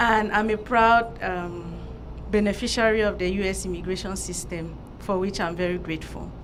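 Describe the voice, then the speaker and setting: A woman with a non-native accent speaks at a moderate pace amid audible room echo. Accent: foreign. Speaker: student, audience member. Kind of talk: audience question.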